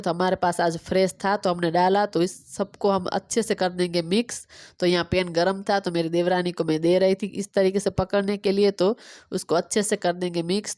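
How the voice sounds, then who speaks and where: A woman in her thirties from Gujarat, native Gujarati speaker, chatting quickly through a home cooking and cleaning vlog on a phone camera. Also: lowish voice, a little mellow, no room sound, studio quality. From Gujarat, India. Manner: fast-talking, chatty step-by-step explaining. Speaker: vlogger.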